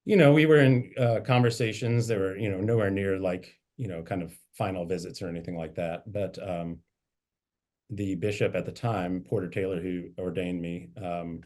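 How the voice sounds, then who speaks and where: A man's voice: sits low, steady tone, normal speed, darkish tone. A man, a bishop, reflectively telling anecdotes from his life in a conversational interview. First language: English. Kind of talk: interview storytelling.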